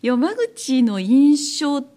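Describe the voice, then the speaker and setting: A woman's voice: sits high, sing-song, very slow. A woman hosting a radio interview, attentive and friendly, with constant backchannel responses. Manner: warm, attentive, frequent backchannel. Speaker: radio host.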